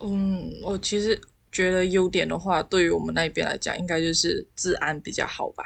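A woman with a Malaysian accent talks at a moderate pace. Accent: Malaysian Mandarin. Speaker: marketing graduate, former international student. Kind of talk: casual chat.

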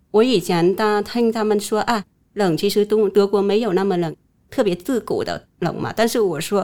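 With a Vietnamese accent, a woman speaks at a moderate pace in a dark, mellow tone, medium pitch and fairly even intonation. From northern Vietnam, Nam Dinh province. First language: Vietnamese (speaking Chinese). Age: young. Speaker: doctoral researcher in history archives. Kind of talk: interview.

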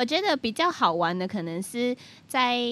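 Moderate pace, with a dry, close sound and no echo. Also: woman. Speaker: former overseas student. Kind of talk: casual chat.

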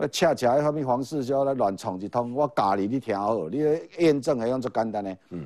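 The man's pitch sits at a medium level and varies in an ordinary way. He talks fairly quickly. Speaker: political commentator. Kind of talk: political talk show panel discussion.

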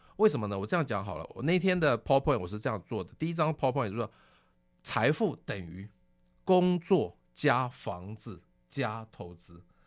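Over music in the background, a man of medium pitch speaks at a moderate pace with very wide pitch swings and big swings in loudness. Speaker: financial author and investment educator. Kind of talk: interview.

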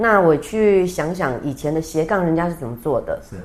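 Speaking at a moderate pace, a woman has a fairly low pitch, lively intonation and an unremarkable speaking voice. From Penghu, Taiwan. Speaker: interior designer and restaurant owner. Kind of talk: interview.

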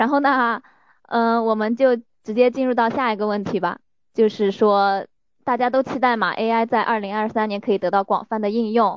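Here a woman talks at a fairly high pitch and a moderate pace. She uses a normal speaking voice. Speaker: co-host moderator. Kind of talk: moderated panel discussion. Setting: online audio space.

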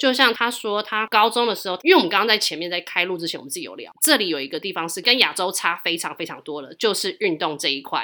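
At a very fast pace and with hardly any pauses, a woman speaks at a medium pitch with a bright, sharp tone. Her intonation is lively and her loudness swings widely. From Taiwan. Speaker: podcast host. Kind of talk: casual chat. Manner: animated.

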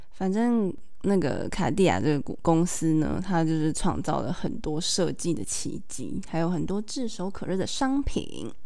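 Her fairly low-pitched voice has lively intonation. The woman keeps a fairly slow pace with hardly any pauses. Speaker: podcast co-host. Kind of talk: casual chat.

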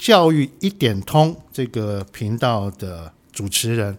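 A man is speaking. He has a Taiwanese accent. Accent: Taiwanese Mandarin. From Taiwan, Taipei. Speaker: substitute radio host. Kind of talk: radio talk show.

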